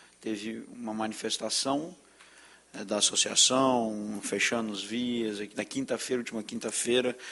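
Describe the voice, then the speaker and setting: A man speaks with fairly even intonation. His tone is bright and sharp. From Brazil, Espírito Santo (Serra). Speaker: state legislator chairing committee. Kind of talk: committee meeting speech. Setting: legislative chamber, live broadcast.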